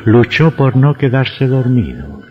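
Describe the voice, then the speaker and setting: A man narrating a radio drama in a measured, suspenseful way. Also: mid-range voice, very animated. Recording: dull lo-fi audio with faint music.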